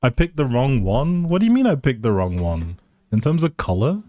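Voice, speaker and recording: A live streamer chats casually while playing a building game, thinking aloud about small choices and replying to viewers. His medium-pitched voice swings widely in pitch, has a dark tone, and comes at normal speed in a dry recording.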